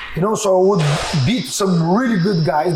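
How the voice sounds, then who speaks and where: With a Brazilian accent, a man talks at a fairly quick pace in a high pitch with ordinary variation, against noticeable background noise. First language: Portuguese. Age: 40s. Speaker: jiu jitsu champion and coach. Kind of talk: casual interview chat.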